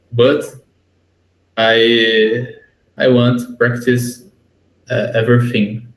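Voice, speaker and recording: A man with a Brazilian Portuguese accent talks at a very slow pace in a medium pitch, his intonation monotone and flat, with long, frequent pauses. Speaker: student, civil engineer. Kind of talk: language class conversation. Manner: halting, hesitant English.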